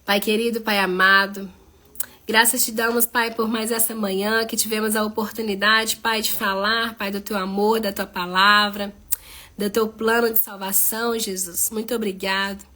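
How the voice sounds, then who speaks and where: A woman's voice: medium pitch, little pitch movement, moderate pace, bright, forceful tone. A woman preacher leading a fervent live prayer, repeating "Father" through every phrase, then blessing her viewers. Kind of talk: warm closing blessing to viewers. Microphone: live stream.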